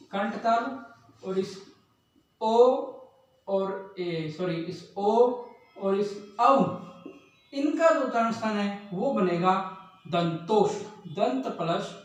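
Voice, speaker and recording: A man teaching an exam-prep lesson, slowly drilling speech sounds one by one. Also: high-pitched. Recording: echoey room, far from mic.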